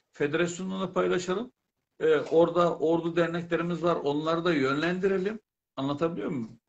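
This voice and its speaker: Against a quiet background, a man with a high pitch talks at a fairly quick pace with ordinary pitch variation. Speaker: association federation official; online group host. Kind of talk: casual chat. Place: home room. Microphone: video call.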